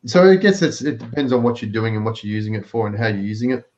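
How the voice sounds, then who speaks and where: A man's voice: fairly low pitch, quick pace. Australian man hosting a live stream. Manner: relaxed, explanatory, many fillers. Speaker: live stream show host. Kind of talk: casual chat. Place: home, in the US. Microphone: video call. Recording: dull lo-fi video call audio.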